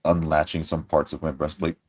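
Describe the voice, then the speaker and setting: A man's voice: rumbling low, flat delivery, a little fast. A man playing a tabletop roleplaying game, narrating his character's actions as he improvises.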